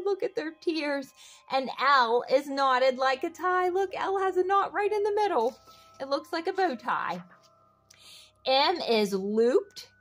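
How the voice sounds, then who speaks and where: A woman reads a children's book aloud in a fairly high voice. Her delivery is very unhurried and sing-song, with expressive phrasing aimed straight at young kids. Light music plays along.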